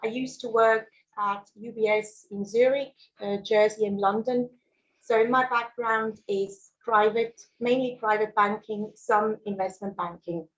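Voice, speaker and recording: A woman's voice: medium pitch, steady tone, unhurried, highs cut off. A Swiss woman whose first language is German, presenting a mortgage webinar in a friendly way with fillers and small laughs. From Switzerland. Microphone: video call.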